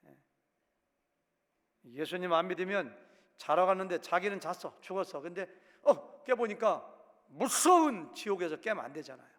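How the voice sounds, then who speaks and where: Chungcheong-accented pastor guy preaching, highish voice, big echoey church hall, does little voices for quotes. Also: moderate pace. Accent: Chungcheong Korean. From Korea, Chungcheong province. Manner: animated, acts out quotes in shifting voices. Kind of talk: sermon. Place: church sanctuary. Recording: long hall reverb.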